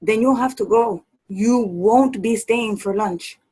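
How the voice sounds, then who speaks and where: A woman's voice: on the high side, slow, warm tone, a little hiss or hum. A woman acting an old, doting and scolding Latina mother and servant in a play reading, fretful and sprinkling her speech with Spanish endearments. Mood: tender, anxious.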